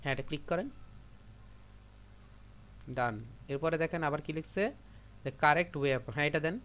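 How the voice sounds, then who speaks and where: Higher-pitched man guiding a class. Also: a little slow, fairly bright tone. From Bangladesh. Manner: repetitive step-by-step instructions to students. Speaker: computer class trainer. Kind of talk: live classroom tutorial.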